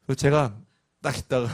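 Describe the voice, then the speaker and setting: A middle-aged man preaching a sermon, telling stories in a lively, animated way. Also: medium pitch, moderate pace. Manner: lively storytelling, animated voices. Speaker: pastor.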